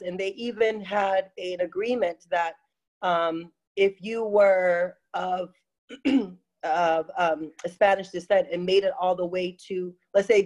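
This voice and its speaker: A woman in her forties who was born in Ghana, telling her story as a guest in an interview, rambling with many pauses and restarts. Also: on the low side, darkish tone. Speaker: guest, taco business owner.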